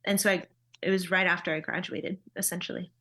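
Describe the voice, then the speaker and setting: A woman in her early thirties, a missionary guest in an interview, recounting events in a steady, matter-of-fact way. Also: on the low side, a little fast. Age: 30s. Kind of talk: conversational interview.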